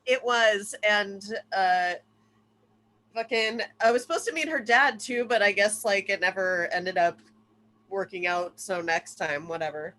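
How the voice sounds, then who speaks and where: A woman chatting casually and excitedly with friends on a video call at home, exclamatory and free with swearing. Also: mid-range voice, measured pace. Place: indoors at home, in a bedroom. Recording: noisy video call audio.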